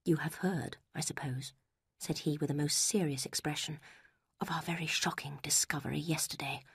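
A woman voicing a pompous, self-satisfied gentleman who speaks gravely in a low, hushed half-whisper. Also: steady tone, normal speed, no room sound, clean studio sound, heavily acted. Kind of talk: audiobook character reading.

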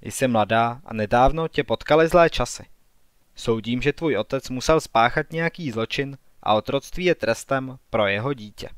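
A man's voice: medium pitch, clear, resonant tone, no echo, clean studio sound, close to an everyday voice. A man reading a stern young prophetess. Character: stern young woman prophetess questioning a slave.

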